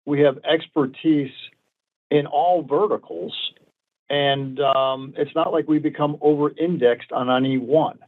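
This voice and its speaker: A man's voice: on the high side, fairly even intonation, measured pace. A man, a company executive, answering analysts on an earnings call in a confident, emphatic way, repeating points for emphasis. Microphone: phone conference call. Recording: tinny narrowband phone conference line.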